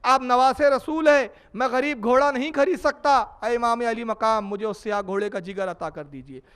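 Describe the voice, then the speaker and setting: Man acting as a poor young boy, humble, pleading, high voice, clear tone, sermon story. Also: normal speed, fairly bright tone.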